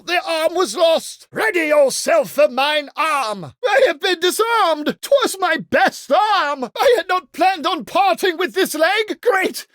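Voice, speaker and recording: A pompous, bumbling medieval knight. The voice sits very high and leaps about theatrically. Every archaic phrase is drawn out and over-enunciated at an unhurried pace, in flamboyant video game style. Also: male voice, bright, forceful tone, no room sound, clean studio sound, exaggerated voice. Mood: pained, indignant.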